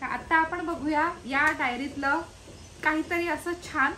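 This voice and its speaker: Woman, Marathi accent, vlogger, soft reading voice, high and bright. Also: measured pace, slight background noise. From Maharashtra, India. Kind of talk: casual reading and chat.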